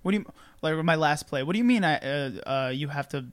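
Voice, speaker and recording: A man's voice: on the high side, expressive, quick pace, no echo. A man hosting a podcast in casual chat, swearing freely and laughing as he tells stories. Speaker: podcast host.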